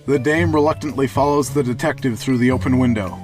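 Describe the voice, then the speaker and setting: A man's voice: mid-range voice, steady tone, brisk. A young man reading scripted narration for an amateur radio play. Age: teens or young adult. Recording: amateur recording with music underneath.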